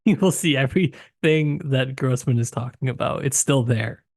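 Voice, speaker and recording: A man's voice: mid-range voice, moderate pace, no room sound, clean studio sound. A man co-hosting a podcast in casual book discussion, tentative, often circling back to rephrase as he thinks aloud. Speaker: podcast co-host.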